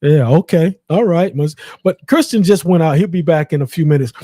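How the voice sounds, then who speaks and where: Mellow man hosting a casual livestream. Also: on the high side, brisk, dry recording, clean studio sound. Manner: rambling, repeats himself. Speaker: host of a live boxing call-in show.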